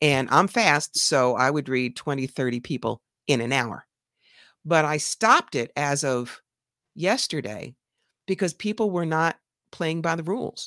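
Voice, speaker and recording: A woman with an American accent, very deep and low in pitch, lively in intonation, at a fairly slow pace with long, frequent pauses, in a dry, close sound with no echo. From New York. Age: 60s. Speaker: psychic medium and tarot reader. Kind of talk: interview. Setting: video call.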